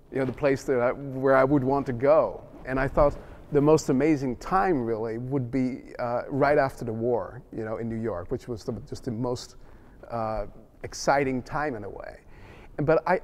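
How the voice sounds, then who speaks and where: A man's voice: medium pitch, a little mellow. A middle-aged man from the Netherlands whose first language is Dutch, answering interview questions casually and rambling with many restarts and fillers. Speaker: film director.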